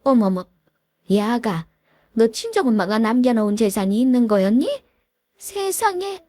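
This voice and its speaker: A woman putting on a shrill, high-pitched scheming mother-in-law from a storybook. She wheedles and pleads in a sharp, swooping voice, recorded close and dry with no room sound. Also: animated, normal speed, no room sound. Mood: wheedling. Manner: wheedling, then wailing. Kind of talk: storybook voice acting.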